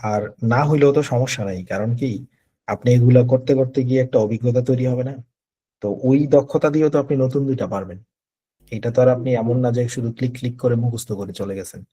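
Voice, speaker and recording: Mellow husky male coach. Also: mid-range voice, brisk. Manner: patient, advising, repeats points. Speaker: English test coach. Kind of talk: online coaching Q&A. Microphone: video call.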